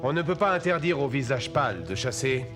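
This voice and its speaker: A man playing a grave, wise tribal chief and protective father in a French-dubbed cartoon, speaking in a solemn, measured way. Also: medium pitch, lively intonation, natural voice. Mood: firm, reasoning. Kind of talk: dubbed animated film acting. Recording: music behind the voice.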